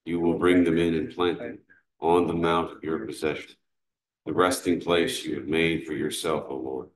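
A man leading morning prayer as a priest, reciting psalms, canticles and the creed in a measured, steady way, recorded from a distance in a large cathedral. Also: rumbling low. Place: large cathedral sanctuary, indoors. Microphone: far camera. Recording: echoey cathedral room sound.

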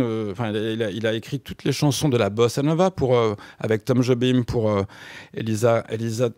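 A man's voice: mid-range voice, darkish tone, dry recording. Guy on the radio rambling about music history, lots of euh and restarts, dry close sound. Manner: hesitant, many restarts and fillers. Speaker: radio guest.

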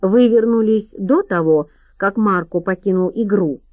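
A gruff, blunt male lawman, read by a woman narrator who booms his questions and cuts others short. The voice stays near the narrator's own. The sound is dry and a little dull. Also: measured pace, no room sound, natural voice. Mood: curt. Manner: booming, curt.

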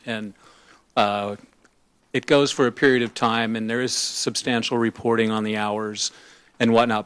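A man's voice: lowish voice, fairly bright tone. A man, a business owner, sharing his own experience on a panel in a plainspoken, hesitant way.

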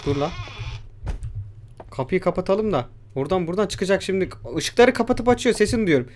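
Jumpy young man yelling at a horror game. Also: high-pitched, lively intonation, fairly quick. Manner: jumpy, swearing, talks back at the game's creatures. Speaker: gamer. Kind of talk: horror game let's play commentary.

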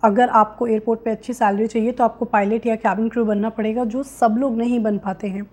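The career guidance host, a young adult woman, speaks fairly quickly to the camera in Hindi with English terms mixed in, seated in a small curtained room. Her voice is slightly high and a little mellow, with fairly even intonation.

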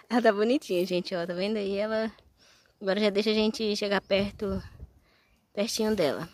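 A woman's voice: mid-range voice, steady tone, normal speed, a little mellow, no room sound. Chatty woman filming her farmyard. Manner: chatty, keeps addressing viewers directly. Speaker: vlogger. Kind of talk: casual farm vlog. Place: outdoor farmyard with animals.

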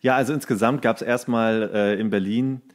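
A man's voice: lowish voice, fairly even intonation, moderate pace. A man co-hosting a podcast in a casual, conversational style. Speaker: podcast co-host. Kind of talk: casual chat.

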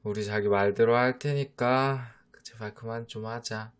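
A man's voice: mid-range voice, fairly even intonation, a little slow, smooth, natural voice. A man voicing a teasing boyfriend who coaxes and mock-scolds his jealous younger girlfriend, in a whispered role-play. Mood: giving in. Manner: teasing, coaxing, mock-exasperated. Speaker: voice actor.

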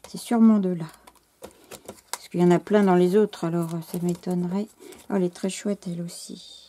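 A French scrapbooking host speaks to camera in an excited, casual chat, faltering over her words as her voice becomes hoarse. Her lowish voice is mellow, and there's slight background noise.

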